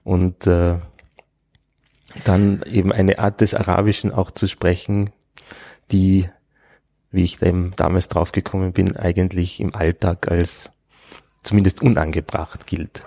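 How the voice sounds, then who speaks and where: Deep, gravelly man, hesitant. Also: flat delivery, unhurried, pauses often, warm tone, no room sound. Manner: thoughtful, hesitant with frequent fillers. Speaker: interviewee, Arabic scholar. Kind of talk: conversational interview.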